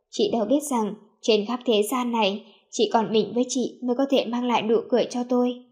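Woman narrating a story, a touch high. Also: a little mellow. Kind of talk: first-person story narration.

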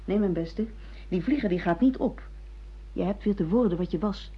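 A woman's voice: medium pitch, moderate pace, slightly rough, natural voice. A woman acting a self-assured secretary and secret mistress in a Dutch radio play, frank and reproachful as she lectures her boss. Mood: indignant, reproachful. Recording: muffled lo-fi radio play recording.

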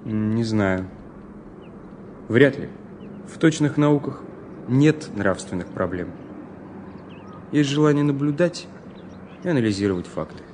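An actor playing an earnest, troubled young student who speaks haltingly and seriously in an audio drama. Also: male voice, mid-range voice, expressive, background noise, lightly acted. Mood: defensive. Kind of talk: Russian audio drama acting.

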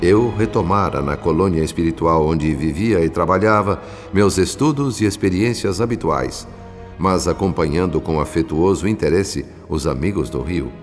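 Man acting solemn spirit narrator, Brazilian accent, low voice, reflective scripted storytelling, reverberant, music underneath. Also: normal speed, lightly acted. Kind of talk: scripted radio drama narration. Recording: long reverb, music behind.

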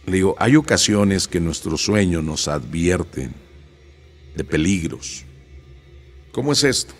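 A middle-aged man with a deep voice tells stories casually to an audience, recounting conversations he's had with people. He's animated but a little slow, uses plenty of fillers, and faint music plays behind him.

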